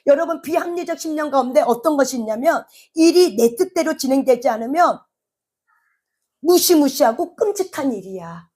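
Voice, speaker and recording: High-voiced emphatic woman preacher. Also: darkish tone. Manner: emphatic, fires rhetorical questions at listeners. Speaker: preacher and counselor. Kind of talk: sermon.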